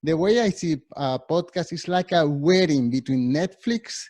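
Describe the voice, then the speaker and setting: A middle-aged man with a Spanish accent gives a workshop talk over a video call. His voice sits a little high and the sound is dry and close. He stumbles and restarts often, with plenty of fillers. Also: expressive, a little mellow, no echo. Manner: halting, many restarts and fillers. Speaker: workshop presenter.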